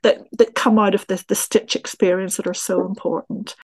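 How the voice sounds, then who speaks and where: A woman's voice: mid-range voice, flat delivery, a little fast, slightly rough. Thoughtful Northern Irish woman in conversation. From Northern Ireland. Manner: thoughtful, discursive, explanatory. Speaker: guest, textile historian and teacher. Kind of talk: conversational podcast interview answers.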